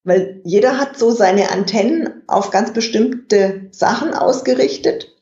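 In an interview, a guest expert explains communication in a measured manner, thinking aloud and using fillers. The voice is mid-range and a little mellow, captured in a dull, roomy recording.

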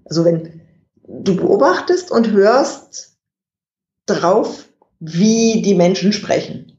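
A guest expert in an interview, explaining communication in a measured way and thinking aloud with fillers. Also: mid-range voice, animated, a little mellow. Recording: dull, roomy recording.

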